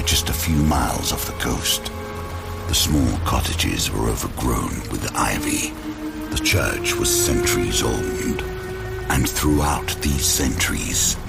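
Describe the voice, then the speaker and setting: A man narrating a gothic horror drama in an ominous, deliberate, theatrical storytelling manner. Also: extremely low pitch, gravelly. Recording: loud cinematic music bed. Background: loud dramatic music.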